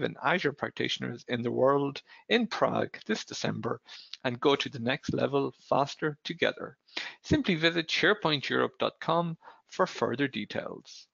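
A man hosting a webinar, reading out housekeeping announcements in a gravelly voice. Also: a little high, a bit bright, no room sound, dull audio. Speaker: webinar host. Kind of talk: read-out announcements.

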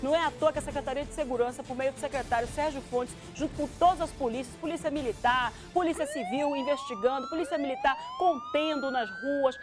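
A woman with a Brazilian accent anchoring live TV news, commenting emphatically and speaking straight to viewers. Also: high-pitched. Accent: Brazilian Portuguese. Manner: emphatic, editorializing, addresses viewers directly. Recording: TV broadcast with music bed.

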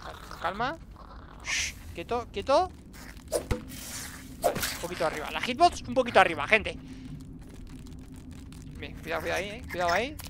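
A man's voice: sits high, sing-song, normal speed, vocal fry, pauses often, background noise. A man with a Spain Spanish accent giving let's-play commentary, muttering to himself and bursting into exclamations, recorded on a desk mic at home. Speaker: gaming streamer.

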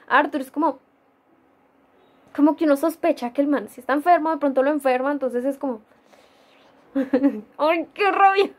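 A woman's voice: high voice, darkish tone. A young woman with a Colombian accent chatting casually in a dim room at home, answering viewer questions with many fillers and frequent laughs. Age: young adult. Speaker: gaming YouTuber. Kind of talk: casual Q&A vlog.

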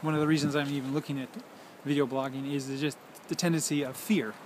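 A man in his forties talking casually and haltingly to a handheld phone, musing as he drifts between thoughts. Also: on the high side, little pitch movement, darkish tone, a little hiss or hum. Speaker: video blogger. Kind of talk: casual rambling monologue to camera. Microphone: handheld smartphone at arm's length.

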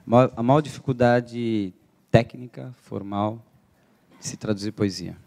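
Gravelly man asking in a hall. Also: mid-range voice, a little slow, a little mellow. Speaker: interviewer. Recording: from across a hall with long reverb.

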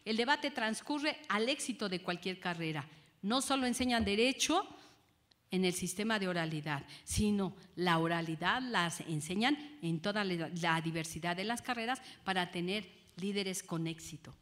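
A woman, a judge giving a lecture to an audience, lively and often asking them rhetorical questions. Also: mid-range voice, normal speed. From Mexico.

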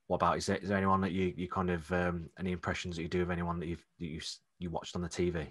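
A man with a Black Country accent hosts a casual podcast interview, enthusiastic and encouraging. His voice is bright and forceful and sits fairly low. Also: little pitch movement, very fast, husky. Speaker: podcast host.

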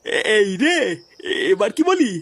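A man playing a flustered, evasive old grandfather in a comedy cartoon, stammering in a pitched-up voice. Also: sing-song, slow, a bit bright, no room sound, full character voice. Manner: hesitant, stammering. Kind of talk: comic cartoon dialogue.

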